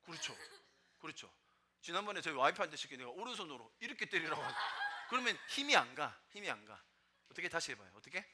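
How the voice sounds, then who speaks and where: A man's voice: on the high side, very animated, fast talker, noisy background. A man preaching as a pastor, asking the congregation questions and quoting scripture with emphasis. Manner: interactive, asks the congregation questions; quotes scripture in a rising, emphatic voice. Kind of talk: sermon. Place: church sanctuary with a stage.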